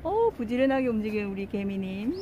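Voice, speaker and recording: A woman's voice: medium pitch, very animated, a little fast, lo-fi sound. A woman chatting playfully during an outdoor walking vlog, gushing over the sights. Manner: playful, gushing, talks to ants. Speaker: vlogger on a walk. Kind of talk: casual walking vlog chat. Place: outdoors on a street. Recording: outdoor street noise behind.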